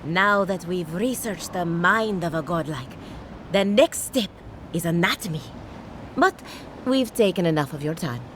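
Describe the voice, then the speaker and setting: A woman's voice: lowish voice, lively intonation, a little slow, fairly bright tone, a little hiss or hum. A woman playing a learned, inquisitive scholar in a fantasy video game, talking in an articulate, theatrical, lecturing way. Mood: intrigued, explanatory. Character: learned, inquisitive female scholar of souls and anatomy.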